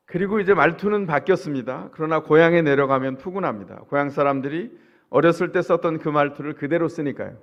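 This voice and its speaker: A man's voice: fairly high pitch, lo-fi sound. A male pastor from the Chungcheong region gives a sermon in a conversational style, often asking his listeners questions. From Chungcheong, South Korea. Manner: conversational preaching, asks the congregation rhetorical questions.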